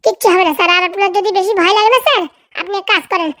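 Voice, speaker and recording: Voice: very high-pitched, steady tone, rapid-fire, a bit bright, no echo. A performer voicing a cheeky, eager young sidekick in a comedy cartoon, chattering in a colloquial way. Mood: reassuring. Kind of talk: comic cartoon dialogue.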